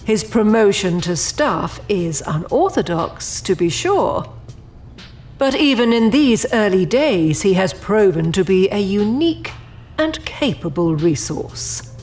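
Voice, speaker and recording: A woman's voice: medium pitch, sing-song, takes it slowly, a little mellow, faint music behind. A woman playing a proud, formal, defensive overseer of an infernal project in an audio drama, with haughty, precise diction. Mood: haughty, composed.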